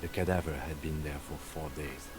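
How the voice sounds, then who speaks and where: A man voicing a calm, methodical police lieutenant who briefs his partner in a measured, matter-of-fact way. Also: a bass voice, background noise.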